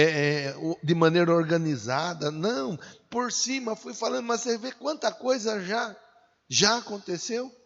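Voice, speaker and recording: Slow, gravelly Brazilian preacher in his forties. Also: high voice, a bit bright. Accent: Brazilian Portuguese. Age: 40s. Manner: conversational preaching with rhetorical questions. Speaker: pastor. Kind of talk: sermon. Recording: dull, echoey hall.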